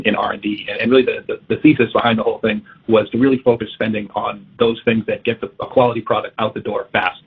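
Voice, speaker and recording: A man's voice: on the low side, breathy edge. A man speaking as a finance executive answering questions on an earnings call, careful and stammering through restarts. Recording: tinny conference call phone line.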